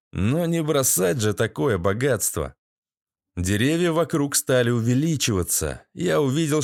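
A man's voice: mid-range voice, no room sound. Man narrating a gritty audiobook, dry. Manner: gritty, sardonic storytelling. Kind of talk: first-person audiobook narration.

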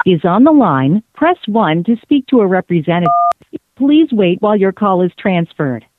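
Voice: medium pitch, very animated, normal speed, no echo. An automated phone menu voice made of recorded prompt words spliced together, with a stiff announcer delivery. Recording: tinny phone line.

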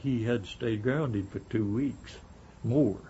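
A man's voice: mid-range voice, slow, warm tone. A man from the United States recalling family memories as an interviewee, in an unpolished conversational way. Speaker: interviewee, veteran's sibling. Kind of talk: slow reminiscing. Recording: dull interview audio with background noise.

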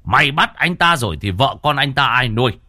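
A man voicing a gruff, boastful older exorcist who talks bluntly. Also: on the low side, expressive, a little slow, sharp tone, dry recording. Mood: furious. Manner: blunt, mocking.

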